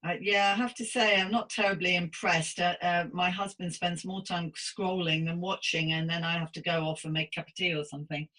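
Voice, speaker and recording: A woman's voice: fairly low pitch, fairly even intonation, brisk, few pauses, bright, forceful tone, low-quality recording. A middle-aged British woman hosting a casual interview podcast, chatting in a rambling, self-deprecating way. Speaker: podcast host.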